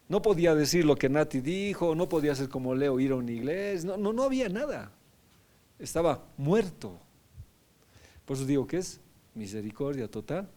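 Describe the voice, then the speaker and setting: Male pastor, fairly high voice, conversational Bible-study sermon, peppered with questions to the room. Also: warm tone. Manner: questioning the congregation often, with frequent tag questions.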